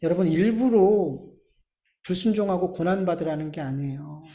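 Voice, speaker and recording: A male pastor preaching a sermon in a church, emphatic, with drawn-out pauses and rising bursts. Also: sits high, dark tone. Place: church sanctuary. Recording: echoey church hall, slightly dull sound.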